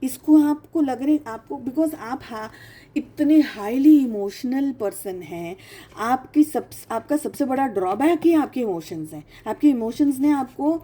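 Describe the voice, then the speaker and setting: A woman's voice: a little high, dark tone, husky. A woman giving a casual tarot reading, speaking emphatically, repeating phrases for stress and mixing English phrases into her talk. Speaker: tarot reader.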